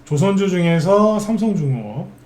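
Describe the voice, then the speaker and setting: A man's voice: sits high, expressive, normal speed, darkish tone, roomy sound. A man giving live stock market commentary, chatty, often asking tag questions and answering them himself.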